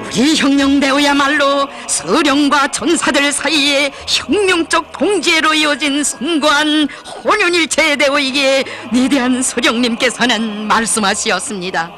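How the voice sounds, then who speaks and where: Very high-pitched North Korean male narrator. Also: measured pace, few pauses, pushed and bright. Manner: solemn, reverent, emotive declamation. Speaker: documentary narrator. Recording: music behind the narration. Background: music.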